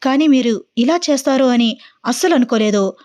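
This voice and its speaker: A woman's voice: sits high, normal speed, a little mellow, lightly acted. A woman voicing a stern male business client who speaks in a serious, accusing way.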